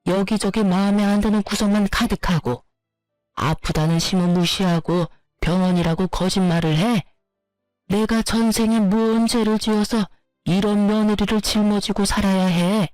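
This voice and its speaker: A woman's voice: medium pitch, steady tone, normal speed, darkish tone, dry recording, faint music behind, natural voice. Casting: a woman doing a harsh, insulting older mother-in-law in a dramatized story; close, dry delivery. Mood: berating. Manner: scolding, insulting, berating.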